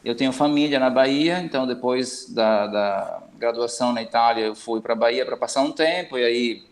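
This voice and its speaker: A man's voice: mid-range voice, normal speed. A man from Italy, a musician and professor, speaking reflectively on a live call. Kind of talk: casual interview talk.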